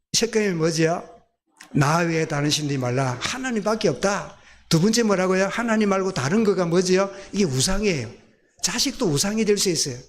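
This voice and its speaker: A male pastor with a Gyeongsang accent preaching a sermon in a folksy way, often asking his congregation questions. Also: high voice. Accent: Gyeongsang Korean.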